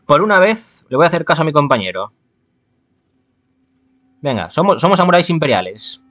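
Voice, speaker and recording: A male game player with a fairly high, very lively voice. He moves between narrating a visual novel and making casual, wry asides. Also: brisk. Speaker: gaming streamer. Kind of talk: reading a visual novel aloud with casual commentary.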